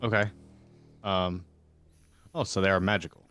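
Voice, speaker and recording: A man's voice: sits low, steady tone, moderate pace, a bit bright. A man chatting casually as a player in a tabletop game, asking questions of the game master. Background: background music.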